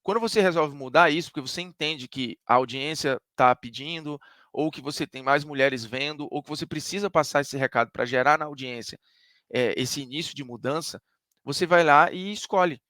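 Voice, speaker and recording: A man's voice: a little high, normal speed, pushed and bright, dry recording, studio quality. A man from Ceará with a Northeastern Brazilian accent, a sports commentator giving an emphatic, conversational opinion monologue that argues point by point.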